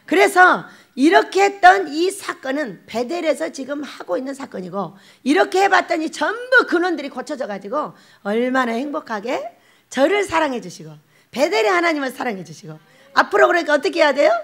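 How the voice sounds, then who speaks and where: A woman's voice: sits high, a little fast, vocal fry. A woman pastor, preaching a sermon and acting out the voices she quotes. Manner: animated, acts out quoted voices, laughs often.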